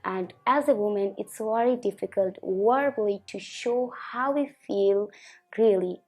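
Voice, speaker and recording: A twenty-one-year-old woman from Afghanistan, a singer giving a halting personal account full of filler pauses. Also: mid-range voice, a little mellow, breathy edge. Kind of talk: personal testimony interview.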